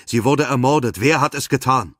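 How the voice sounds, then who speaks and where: Man doing armed woman police officer, commanding, interrogating, raised pitch, close dry sound. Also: moderate pace, fairly bright tone, no room sound, lightly acted. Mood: fierce.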